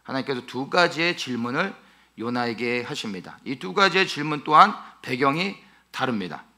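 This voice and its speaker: A male pastor preaching an expository sermon, emphatic and animated, often asking his listeners rhetorical questions. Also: mid-range voice, moderate pace.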